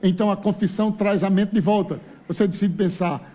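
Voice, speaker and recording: A man with a Brazilian Portuguese accent preaching a lively, humorous sermon at a church conference. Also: high voice, brisk. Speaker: pastor.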